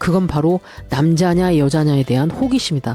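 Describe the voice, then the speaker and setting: A woman's voice with music in the background. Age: 50s. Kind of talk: personal storytelling narration.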